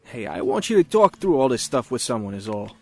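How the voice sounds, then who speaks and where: A man's voice: mid-range voice, sing-song, fairly quick, dark tone, slight background noise. An actor playing an upbeat, well-meaning man with a casual, breezy manner in an audio drama. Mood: coaxing. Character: upbeat, well-meaning male colleague and friend.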